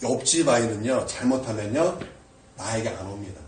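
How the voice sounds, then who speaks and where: A male pastor preaching a sermon, swinging from shouted prayers down to quiet, low asides. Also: expressive, moderate pace, reverberant, recorded from a distance. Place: church sanctuary.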